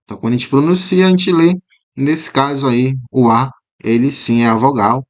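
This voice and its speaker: A Brazilian man with a Brazilian Portuguese accent, a teacher going through exam questions, often checking in with "né?" and repeating words slowly to show how they sound. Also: mid-range voice. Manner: explanatory, frequent "né?" tags, repeats words slowly to model pronunciation. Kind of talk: commented exam walkthrough.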